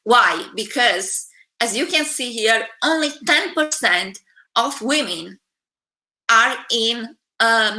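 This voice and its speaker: Bright-voiced woman in her thirties, echoey. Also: a little high. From Romania. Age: 30s. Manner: earnest, many filler pauses. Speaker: keynote speaker. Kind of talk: conference talk.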